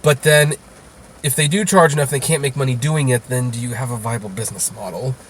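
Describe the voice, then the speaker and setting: Man explaining things, mid-pitched. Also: fairly quick, slight background noise. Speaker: interview guest, rideshare video creator. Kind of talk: casual interview chat.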